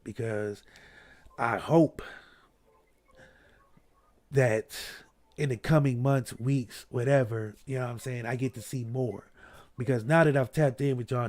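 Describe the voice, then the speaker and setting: A man's voice: medium pitch, darkish tone. A man from Ohio hosting a casual podcast chat, laid-back and slangy, a little stuffy. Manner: laid-back, slangy, repeats "you know what I mean". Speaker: podcast host.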